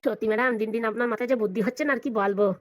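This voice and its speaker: A woman voicing a comic, flattering village lackey in a cartoon, deferential and whining in a rural Bengali dialect. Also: fairly high pitch, racing, dry recording, lightly acted. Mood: fawning.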